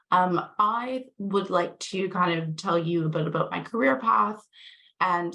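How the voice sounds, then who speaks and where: The voice has a bright, sharp tone and a Canadian accent. It keeps a moderate pace with ordinary pitch variation. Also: woman. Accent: Canadian, noticeable. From Canada. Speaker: gallery operations director. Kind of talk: panel talk presentation.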